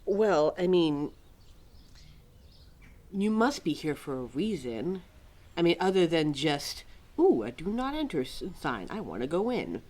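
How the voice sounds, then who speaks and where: A woman playing a quirky, exasperated, motherly keeper of forgotten lore in an ad-libbed audio roleplay, chatty and wry with halting, musing asides. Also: sits low, sing-song, a little mellow, full character voice. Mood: wry, welcoming. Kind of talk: ad-libbed ASMR-style roleplay, talking to a listener.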